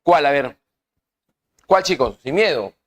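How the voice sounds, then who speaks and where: A man teaching a law workshop, speaking deliberately, stressing key words and putting questions to his students. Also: a little high, expressive, fairly bright tone. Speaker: law instructor. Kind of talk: lecture to students.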